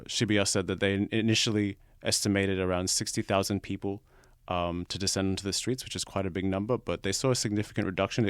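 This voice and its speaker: An Australian man speaks in a low voice as a news reporter on a podcast. He moves between reading copy and explaining it in conversation. The sound is very dry, with no room around it. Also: clean tone, no room sound. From Brisbane, Australia. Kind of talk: podcast discussion and article reading.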